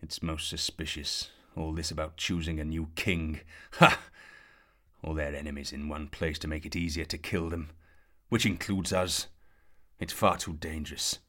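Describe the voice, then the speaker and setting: A man voicing a gruff, short-tempered old knight with a white moustache. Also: very deep voice, level tone, normal speed. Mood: angry. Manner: blustering, loud.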